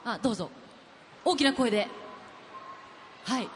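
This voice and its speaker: A woman's voice: on the high side, animated, fast talker, slight background noise. A woman hosting a radio program and acting as MC of a public recording, upbeat and announcer-like. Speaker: radio host and MC.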